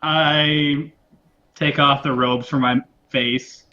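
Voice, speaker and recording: A man's voice: on the high side, flat delivery, extremely slow, pushed and bright. Brief: laid-back guy at a game table, slightly sheepish, dull lo-fi recording. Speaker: player. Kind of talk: casual in-character play. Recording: dull lo-fi mic.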